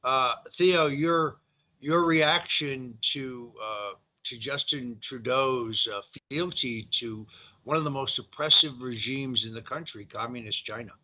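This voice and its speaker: An older man hosts a political talk show, his voice very bright and sharp-edged. He speaks in a measured, hesitant way with frequent fillers. The audio is dull and lo-fi. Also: mid-range voice. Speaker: host.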